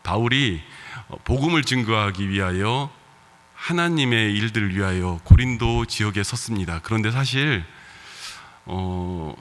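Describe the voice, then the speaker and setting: A male pastor with a regional Korean dialect accent, preaching a conversational sermon with soft laughs and fillers. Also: fairly low pitch, long reverb tail. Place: church sanctuary.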